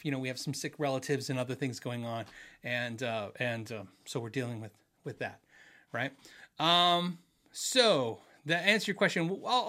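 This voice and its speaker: A man's voice: mid-range voice, pushed and bright. A middle-aged man hosting a casual livestream from his home office, rambling and restarting as he reads out viewer messages. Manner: rambling, restarts often, many fillers. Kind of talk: casual chat.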